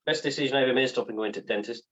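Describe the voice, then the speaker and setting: A man's voice: mid-range voice, racing, fairly bright tone. Man chatting over a dull connection. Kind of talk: casual chat.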